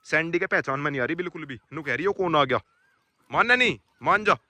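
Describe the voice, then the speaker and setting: A man, talking casually to his viewers while he walks his dog farm and shouts to his dogs. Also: fairly high pitch, fast, no echo. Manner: calls out loudly to his dogs. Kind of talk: casual vlog commentary.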